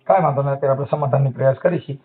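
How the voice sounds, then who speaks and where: A man's voice: mid-range voice, fairly even intonation, very fast, slightly rough. A man with a Saurashtra Gujarati accent in an informal phone conversation, speaking briefly as a mediator taking details over a muffled line. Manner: brief questions and acknowledgements. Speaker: mediator taking details on a helpline-style call. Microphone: telephone. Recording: muffled narrowband phone call.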